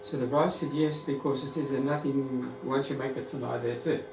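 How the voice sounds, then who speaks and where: A man studying in a Talmud class, reading the text aloud haltingly and asking questions. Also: medium pitch, steady tone. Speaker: student. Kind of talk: study-group discussion. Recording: echoey room with background noise.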